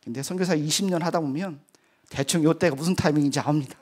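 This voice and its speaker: High-voiced middle-aged male preacher. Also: quick pace, darkish tone, husky. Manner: earnest, vivid storytelling. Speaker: missionary preacher. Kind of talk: sermon testimony.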